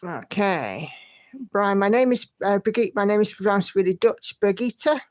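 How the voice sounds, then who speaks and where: Speaking at normal speed with an animated, medium-pitched, slightly mellow voice, a woman hosts a livestream. She reads out viewer comments in a chatty, encouraging way and hums to herself.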